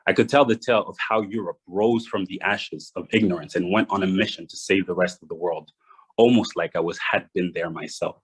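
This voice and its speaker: A young man from Rwanda giving a prepared address, measured and read from notes with small restarts. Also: low voice, slightly rough, low-quality recording. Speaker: guest speaker.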